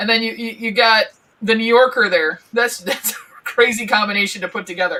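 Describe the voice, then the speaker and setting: A woman speaks loudly at a fairly quick pace, her fairly high voice bright and sharp in tone, with fairly even intonation. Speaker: quiz contestant. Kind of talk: casual chat.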